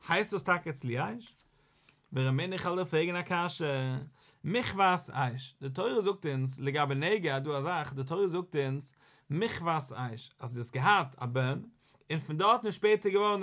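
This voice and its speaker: A rabbi teaches a Talmud lesson, his fairly high voice moving in an animated, questioning sing-song that rises and falls.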